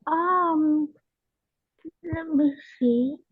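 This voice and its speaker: A woman from Pakistan joining a video call, speaking haltingly with many fillers. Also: high-pitched, dry recording. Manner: hesitant, many fillers and restarts. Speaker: participant. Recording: tinny phone-like line.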